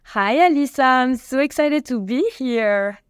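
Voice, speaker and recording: A woman's voice: high-pitched, measured pace, smooth, no room sound. Belgian-accented woman, dry close sound. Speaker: company co-founder and CEO, podcast guest. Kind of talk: casual interview storytelling.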